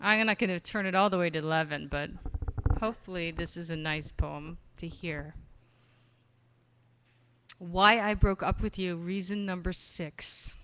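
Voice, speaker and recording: A woman performing spoken-word poetry live at a reading venue on a stage mic, expressive and slowing down on key phrases. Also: fairly low pitch, clean tone. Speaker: poet.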